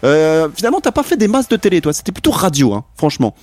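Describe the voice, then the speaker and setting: A man's voice: a little high, sing-song, fast talker, a little mellow. A man hosting a radio show, presenting a guest in loose, jokey patter at a studio mic. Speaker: radio host. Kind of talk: casual radio chat. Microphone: studio microphone.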